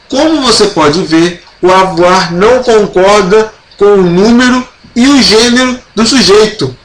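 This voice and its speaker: A Brazilian man with a fairly high voice leads a relaxed French lesson, speaking very slowly and repeating each example with care. His chatty, joking asides keep it informal. The recording is roomy, with a faint hum behind him. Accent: Brazilian Portuguese. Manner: chatty, playful asides, slow careful repetition of example sentences. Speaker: French teacher. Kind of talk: casual online grammar lesson.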